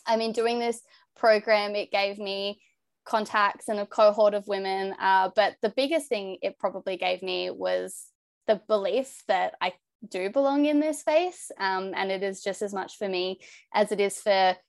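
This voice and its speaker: A young Australian woman with a high, youthful-sounding voice, talking earnestly and chattily as a podcast guest, with plenty of "like" and "um". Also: a little slow, creaky, no echo, studio quality. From New South Wales, Australia. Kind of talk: casual interview chat.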